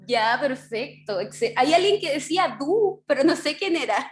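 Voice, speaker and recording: A Chilean woman teaching children over a video call, patient and encouraging, stretching out key syllables when she explains. Her voice sits a little high for a woman. The sound is roomy and echoey, as call audio often is. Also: lively intonation, moderate pace, soft background music. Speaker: primary school teacher. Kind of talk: online class teaching.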